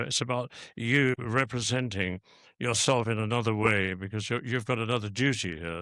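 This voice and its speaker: A man's bright, sharp voice at a medium pitch and moderate pace, with ordinary pitch variation, in a very clean recording with a silent background. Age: 80s+. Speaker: photographer. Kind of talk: speech at exhibition opening.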